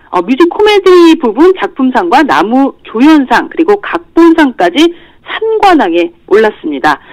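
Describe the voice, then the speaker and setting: A woman delivering a lively entertainment news report on a radio show. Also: high-pitched, no room sound, low-quality recording. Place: radio studio.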